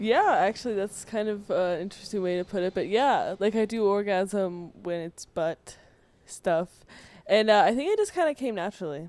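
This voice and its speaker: In an American accent, an ordinary speaking voice moves at a moderate pace with ordinary pitch variation. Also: woman, medium pitch for a woman. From Pennsylvania. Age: 20s. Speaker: adult film performer. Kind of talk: casual chat. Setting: studio.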